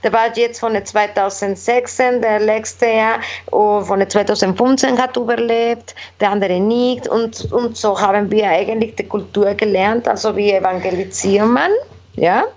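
Woman speaking halting German. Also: mid-range voice, fairly even intonation, a little mellow. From Mexico. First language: Spanish. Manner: halting non-native German, many fillers and restarts. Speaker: guest. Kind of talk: casual interview talk. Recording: dull lo-fi recording.

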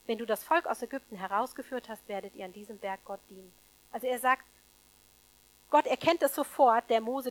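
Woman, sermon, higher voice, emphatic, loud stresses then hushed asides. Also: poor audio. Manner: addresses the congregation with rhetorical questions. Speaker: preacher.

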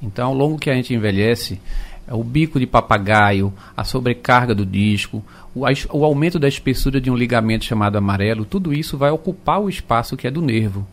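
A man, an orthopedic doctor explaining calmly on radio with plain comparisons. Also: mid-range voice, fairly quick.

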